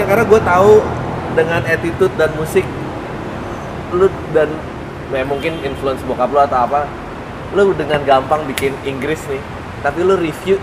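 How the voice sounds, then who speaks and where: Chatty male interviewer, street noise. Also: on the high side. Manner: chatty, laughs often. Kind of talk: casual interview chat. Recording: outdoor recording with traffic noise.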